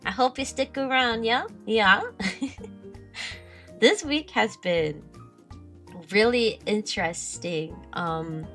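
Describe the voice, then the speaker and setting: A young woman streaming live, chatting casually with her viewers and answering their messages. She talks and giggles in a high voice. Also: slow, pauses often, fairly bright tone, faint music behind. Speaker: VTuber streamer.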